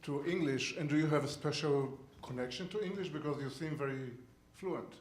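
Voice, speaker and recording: A man in the audience asking a question, speaking slowly and carefully. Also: fairly high pitch, reverberant, a little hiss or hum. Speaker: audience member.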